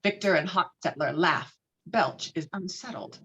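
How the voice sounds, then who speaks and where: A woman's voice: fairly low pitch, a little slow, a bit bright. A woman reading stage directions as the narrator of a dramatic script table read. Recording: dull, lo-fi call audio.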